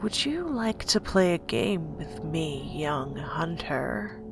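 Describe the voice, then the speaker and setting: At a very slow pace, a husky put-on character voice comes through loud background noise. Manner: tempting, playful.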